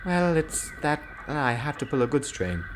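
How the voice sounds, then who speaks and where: A man's voice: sing-song, moderate pace, background noise. A man voicing a cheerful, polite young female train engine who is sometimes nervous, in a storybook reading. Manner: high, gentle, sometimes nervous. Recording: music playing clearly behind.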